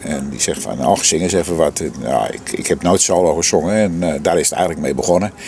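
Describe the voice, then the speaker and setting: A very deep, low male voice at a moderate pace with ordinary pitch variation, over noticeable background noise. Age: 70s. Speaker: amateur singer. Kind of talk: interview. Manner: halting, many hesitations.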